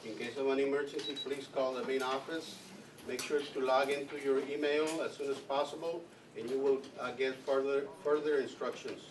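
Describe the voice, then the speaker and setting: A man, a school administrator, announcing a lockdown drill over a PA loudspeaker in a halting way with fillers. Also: mid-range voice, fairly even intonation. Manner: halting, with fillers and repeated words. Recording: echoey PA sound from far off, noisy.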